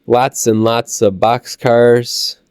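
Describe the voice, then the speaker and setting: A man with a Midwestern American accent, casually narrating a walk through a model train show, halting with fillers while he gets over a cold. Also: mid-range voice, clean tone, dry recording, studio quality. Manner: relaxed, halting with many "uh" fillers. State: recovering from a cold. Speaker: channel host touring a train show.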